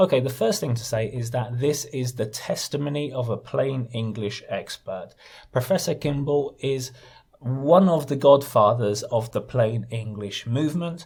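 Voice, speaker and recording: Somewhat breathy, a man speaks at a medium pitch. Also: ordinary pitch variation, moderate pace. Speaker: legal English teacher. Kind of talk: video tutorial.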